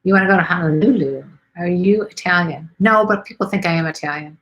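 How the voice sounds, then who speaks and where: A woman's voice: on the low side, fast, a bit bright. A middle-aged woman from Chicago hosts a live stream, chatting casually and rambling with lots of ums as she reads viewer comments. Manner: chatty, rambling, many ums and let's sees.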